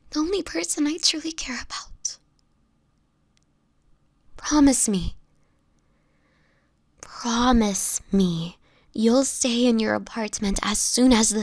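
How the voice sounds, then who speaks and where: A woman acts out an ailing, homeless female vampire in a dramatic audio roleplay. She speaks slowly and haltingly in a breathy voice that often sinks into a whisper. She sounds fragile, guilt-ridden and protective, pleading through her anguish, in a dry recording with no room sound. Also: a little high, no echo. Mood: anxious pleading.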